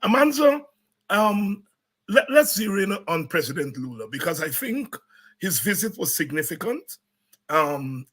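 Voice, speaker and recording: A man's voice: high voice, a bit bright, slightly rough. A Guyanese man hosting a live show, chatting casually, greeting viewers by name and repeating his words as he rambles. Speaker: host.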